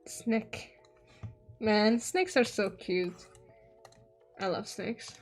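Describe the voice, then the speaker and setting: A Hungarian-speaking artist streamer comments casually while drawing, rambling, trailing off mid-thought, and swearing now and then. Her mid-range voice moves extremely slowly, with faint music behind it.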